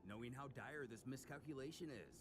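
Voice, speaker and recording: A man's voice: mid-range voice, a little fast, background noise. A man giving a dramatic scripted recap of a comic story as its narrator, in a theatrical storytelling manner. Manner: theatrical storytelling with voiced character lines. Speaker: narrator reading a comic aloud.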